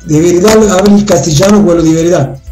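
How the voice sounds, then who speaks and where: A man's voice: sits high, fast talker, dark tone. A man in a casual interview, talking animatedly and mixing languages mid-sentence. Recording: echoey room, faint music.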